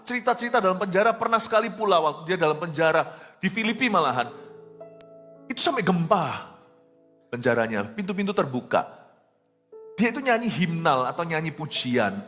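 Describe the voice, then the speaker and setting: A man's voice: on the high side, brisk, soft background music. A middle-aged man preaching a sermon, telling stories and acting out quotes, dropping in English phrases. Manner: animated preaching with jokes and acted quotes, mixing in English phrases. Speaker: pastor.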